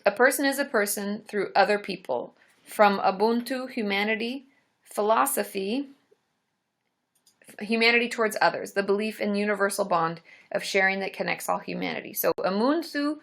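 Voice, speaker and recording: A woman's voice: medium pitch, normal speed, gravelly. A woman therapist hosting a live Q&A stream, chatting casually, laughing often and poking fun at herself.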